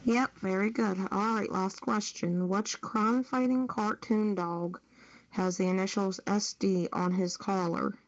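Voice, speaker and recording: A woman's voice: medium pitch, fairly even intonation, unhurried, dry recording. Woman, podcast quiz host, mid-range voice, dry and slightly muffled online recording. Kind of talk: quiz questions on a group podcast. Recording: dull, lo-fi online audio.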